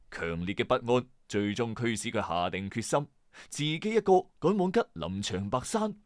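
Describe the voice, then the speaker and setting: A man's voice: medium pitch, no echo, clean studio sound. A man with a Hong Kong Cantonese accent tells a scripted true-crime mystery in a dramatic, suspenseful storyteller's manner, with colloquial asides. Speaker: storyteller and host of a late-night mystery story channel.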